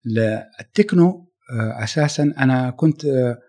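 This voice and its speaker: Husky, fast-talking middle-aged man. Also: medium pitch, lively intonation, warm tone. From Saudi Arabia. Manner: reflective, halting with restarts and trailing phrases. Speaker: musician guest. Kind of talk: casual interview talk.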